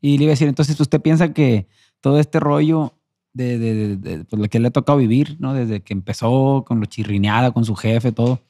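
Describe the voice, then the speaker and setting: A man's voice: medium pitch, steady tone, a little fast, dark tone, no echo, studio quality. A man who hosts a casual interview and adds short follow-up questions. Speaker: host.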